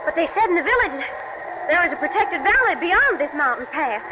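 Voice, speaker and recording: An actress playing a plucky, spirited young American wife in a 1940s radio drama. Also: female voice, very high-pitched, sing-song, fairly quick. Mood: eager. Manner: eager, spirited. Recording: hissy, muffled old radio recording.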